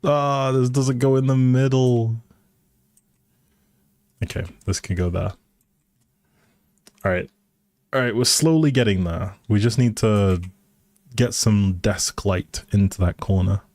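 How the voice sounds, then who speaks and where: A man's voice: mid-range voice, takes it slowly, pauses often, a little mellow, no echo. A man giving casual live game commentary as a streamer, musing aloud in a hesitant way.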